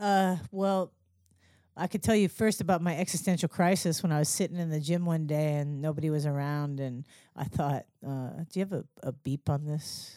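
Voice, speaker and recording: The recording is very clean, with a silent background. A woman speaks at a moderate pace with ordinary pitch variation. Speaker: boxing coach. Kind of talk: casual chat. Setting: studio.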